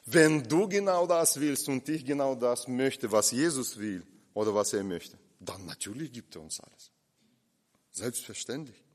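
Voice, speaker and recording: A man's voice: medium pitch, expressive, a little slow. Preaching man in an echoing hall. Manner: impassioned, swings between loud and hushed. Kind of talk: sermon. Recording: long reverb of a hall.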